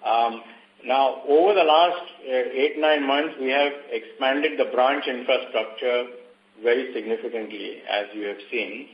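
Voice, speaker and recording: A man's voice: medium pitch, lo-fi sound. Echoey male executive on a conference call. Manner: measured, halting, pausing mid-sentence. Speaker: bank executive presenting quarterly results. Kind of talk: earnings call presentation, semi-scripted.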